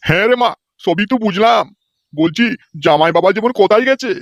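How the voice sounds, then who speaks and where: A man's voice: high-pitched, expressive, a little fast, no echo, highs cut off. A man playing a stingy, scheming old father-in-law in a comedy cartoon, talking in a wheedling, folksy way. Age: older.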